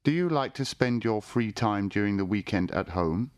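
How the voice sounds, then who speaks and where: Lowish-voiced man reading language drills. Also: expressive, moderate pace, dry recording, studio quality. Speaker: language course reader. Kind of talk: scripted reading of model phrases.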